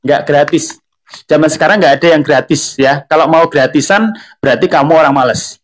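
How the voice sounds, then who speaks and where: A man's voice: a little high, brisk. Central javanese guy on a live stream, young, chatty, lots of fillers, keeps calling out to viewers. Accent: Central Javanese Indonesian. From Central Java. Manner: chatty, filler-heavy, addresses viewers often. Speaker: online tutor and streamer. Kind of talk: casual live-stream talk.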